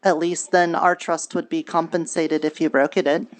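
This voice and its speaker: A woman's voice: deep voice, fairly even intonation, moderate pace, close to an everyday voice. A woman playing a skeptical, frank adventurer in casual improvised roleplay. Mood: distrustful. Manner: casual, skeptical, plain-spoken. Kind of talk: improvised virtual-reality roleplay.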